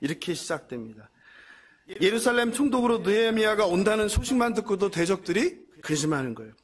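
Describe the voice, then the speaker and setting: High-voiced pastor preaching. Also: male voice, very animated, brisk. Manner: asks the congregation questions and answers them himself; acts out the enemies' mocking voices. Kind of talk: sermon.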